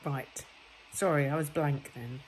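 A woman in her forties with a bunged-up nose, chatting casually and warmly into her phone camera at home and in her car. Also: sits low, fairly even intonation, measured pace, a little hiss or hum, low-quality recording. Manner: chatty, chirpy and warm. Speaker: vlogger. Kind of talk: casual daily vlog chat. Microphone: phone camera at arm's length.

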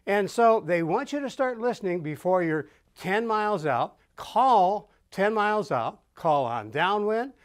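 A man's voice: high voice, animated, a little slow, hardly any pauses. A middle-aged American man teaching as a flight instructor, with emphatic, teacherly phrasing and demonstrated calls.

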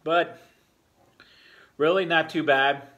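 A man in his forties gives a relaxed, rambling beer review full of fillers, talking at a table in a home bar room. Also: on the high side, slow, lo-fi sound. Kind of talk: casual beer review vlog. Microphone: fixed camera at a table.

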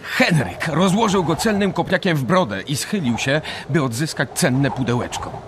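A man narrating a dark story as a scripted radio drama. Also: fairly high pitch, expressive, moderate pace, noisy background.

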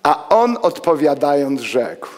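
An older man preaching in a church hall, his voice pitched high for a man and ringing with a long reverb. He moves among the pews as he talks, rising to loud exclamations and then dropping to hushed asides. He wears a headset mic. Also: big pitch swings, slow pace. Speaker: pastor. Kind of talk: sermon.

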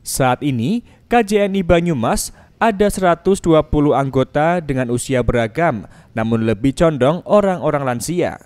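Clear-voiced man reading news. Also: on the high side, darkish tone. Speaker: news reporter. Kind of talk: scripted news narration.

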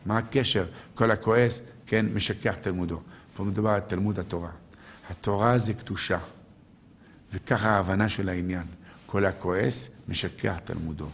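A man's voice: low voice, slight background noise. A man, a rabbi, giving a live sermon, posing rhetorical questions to his listeners and answering them, quoting verses and sages.

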